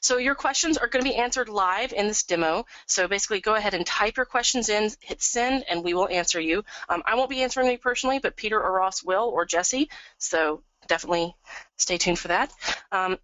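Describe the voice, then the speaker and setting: A woman presenting a live software tutorial webinar, upbeat and chatty, a bit sniffly from a cold. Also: medium pitch, a little fast, dry recording. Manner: upbeat, chatty, lots of "we're gonna". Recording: dull, dry lo-fi webinar audio.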